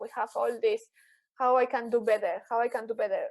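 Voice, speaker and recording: A woman's very fast, flat monotone in a Spanish accent. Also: very clean recording, silent background. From Spain, Catalonia. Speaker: engineer, entrepreneur and author. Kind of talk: interview. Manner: halting, with many repeated words.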